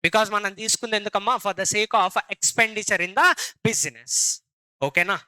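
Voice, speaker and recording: A man's voice: sits high, unhurried, bright, forceful tone, clear, resonant tone, no echo, poor audio. A man with a Telugu accent teaching a classroom lecture, often repeating questions and calling on his students for answers.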